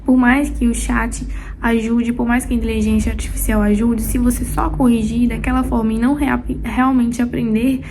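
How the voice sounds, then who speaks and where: A young Brazilian woman with a Brazilian Portuguese accent, tutoring for a Spanish exam in a casual, chatty way, often pausing on fillers and restarting her sentences. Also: a little high, flat delivery, background noise. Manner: chatty, loose, with frequent hesitation fillers and restarts. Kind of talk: casual explanatory talk to camera.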